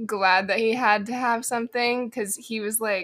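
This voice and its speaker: Recorded very cleanly over a silent background, a woman with an unremarkable speaking voice talks at a fairly slow pace with fairly even intonation. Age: 20s. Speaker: wine industry worker. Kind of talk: casual chat.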